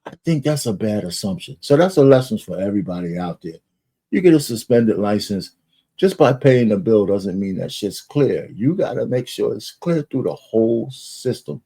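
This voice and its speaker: A man with a low, mellow voice and a husky edge gives casual commentary. He is blunt and opinionated, speaking colloquially and swearing freely. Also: expressive, normal speed. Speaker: video commentator.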